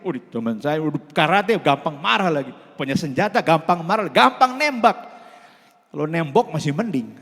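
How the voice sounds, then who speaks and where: A man with a Sundanese accent gives a Christmas sermon, his fairly high voice rising and falling with animated, playful energy. He slips in jokes and asides with the congregation. The sound carries a long church-hall reverb. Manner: lively, animated preaching with playful asides and laughter. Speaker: pastor.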